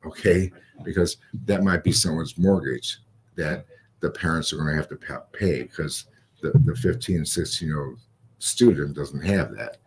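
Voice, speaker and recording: A man speaking as a police chief in a radio interview, halting and repetitive, with emphatic statements. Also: extremely low pitch, a little hiss or hum.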